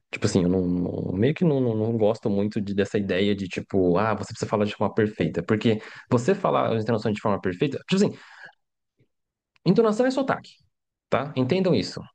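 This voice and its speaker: Speaking in a lowish, slightly mellow voice, a middle-aged man teaches Mandarin in a live online class. He keeps things casual and chatty, often checking on his students and adding tag questions as he goes.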